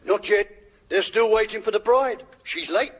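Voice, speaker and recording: A man's voice: high voice, normal speed, creaky. An actor playing a gossipy church verger who reports in over an old crank field telephone in a radio sitcom, his voice sounding distant. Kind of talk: 1970s radio sitcom acting. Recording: hissy old radio broadcast recording.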